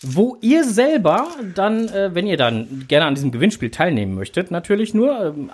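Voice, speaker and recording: A man's voice: a little high, husky. A man hosting a casual podcast, rambling with fillers and restarts. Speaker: podcast host.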